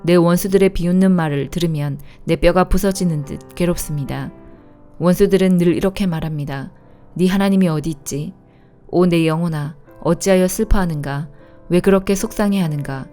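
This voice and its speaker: A woman reads scripture aloud in a measured, unhurried way. Her voice sits a little low and sounds mellow and warm. Faint instrumental music plays behind her. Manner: steady, calm, measured reading. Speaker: Bible reader. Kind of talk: scripted Bible reading.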